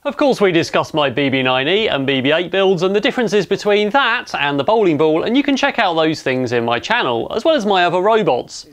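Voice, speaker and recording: A man's voice: high voice, big pitch swings, a little fast, few pauses, a bit bright. A man in his thirties with an English accent, narrating his maker project in a matter-of-fact, technical way on a lapel mic. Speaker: maker vlogger. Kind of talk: explanatory voice-over narration. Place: home robotics workshop in an attic. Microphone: clip-on lapel mic.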